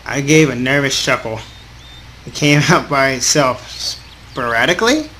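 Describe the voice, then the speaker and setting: A man hosting a gaming video, reading a visual novel aloud in an informal, halting way with casual off-script asides. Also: mid-range voice, sharp tone. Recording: clearly audible background noise.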